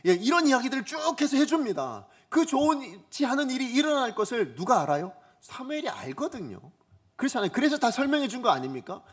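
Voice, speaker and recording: Pastor, male, high husky voice; preaches with swooping intonation and acts out quoted lines. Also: very animated, a little fast. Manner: asks the congregation questions and acts out quoted voices. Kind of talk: Sunday morning sermon. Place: church sanctuary.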